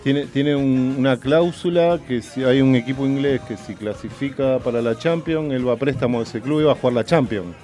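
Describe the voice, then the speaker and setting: A man's voice: medium pitch, brisk, hardly any pauses, mellow, faint music behind. A man with a Rioplatense Spanish accent, co-hosting a casual chat full of teasing banter.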